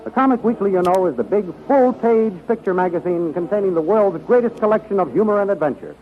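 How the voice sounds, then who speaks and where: High-pitched vintage radio announcer, man. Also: animated, fast talker. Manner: emphatic, formal. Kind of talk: 1930s radio announcing, scripted narration. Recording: muffled 1930s radio recording.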